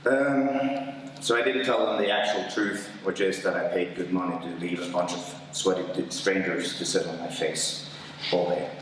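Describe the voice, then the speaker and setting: Deep-voiced Norwegian man, hesitant. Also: steady tone, normal speed, fairly bright tone, a little hiss or hum. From Norway. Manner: hesitant, many uhs, reading jokes. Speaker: amateur stand-up comedian. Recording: echoey hall, distant mic.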